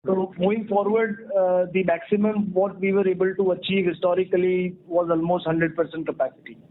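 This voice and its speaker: A man with an Indian accent answering analysts as a company executive on an earnings call, in formal, measured explanations. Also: high-pitched, little pitch movement, a little hiss or hum. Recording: tinny phone-line conference call.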